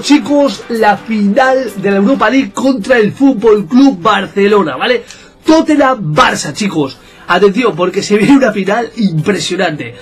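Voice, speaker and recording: A man with a Spain Spanish accent, giving excitable, jokey gameplay commentary and bantering with his viewers. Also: sits high. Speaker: gaming YouTuber.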